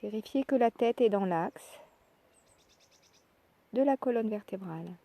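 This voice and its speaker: A woman leading a guided yoga relaxation, speaking calmly and in measured short phrases with pauses. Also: medium pitch, dry recording. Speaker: yoga nidra relaxation instructor. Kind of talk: guided meditation, soft instructional narration.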